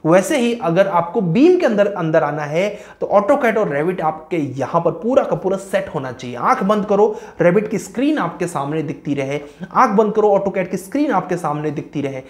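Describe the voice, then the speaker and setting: A man's voice: sits high, big pitch swings, normal speed. A man who teaches civil engineering gives an informal career-advice lesson. He works through long lists, checks in with "okay," and mixes English technical terms into his speech.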